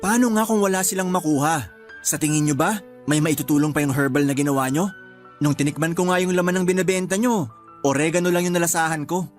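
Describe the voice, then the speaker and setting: A man's voice: fairly high pitch, quick pace, lightly acted. A man playing a reluctant young nephew who questions his uncle in a radio drama. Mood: reproachful. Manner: reproachful, jumpy. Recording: music underneath.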